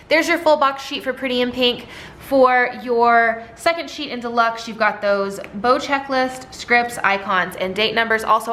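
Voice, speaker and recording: A woman talking casually through her new sticker designs, chatty and rambling, with a slightly hoarse voice. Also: mid-range voice, bright, forceful tone, a little hiss or hum. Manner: chatty, rambling, many ums and likes. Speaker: sticker shop owner and designer. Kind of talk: casual product walkthrough.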